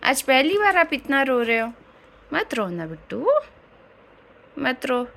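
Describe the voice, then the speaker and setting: A woman soothing and coaxing a crying, teething baby in gentle baby talk. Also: high voice, very animated, takes it slowly, creaky.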